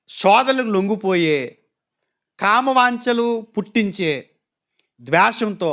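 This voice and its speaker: A man's voice: high-pitched, bright, forceful tone. A man preaching a sermon, asking the congregation questions and acting out quoted voices in little stories. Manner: acts out quoted voices and anecdotes.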